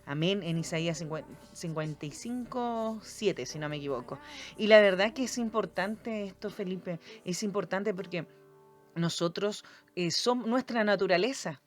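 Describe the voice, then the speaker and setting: A woman's voice: mid-range voice, moderate pace, soft background music. A woman co-hosting a Christian teaching podcast, speaking earnestly and reading scripture aloud with frequent "amen" and "right?". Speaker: podcast co-host.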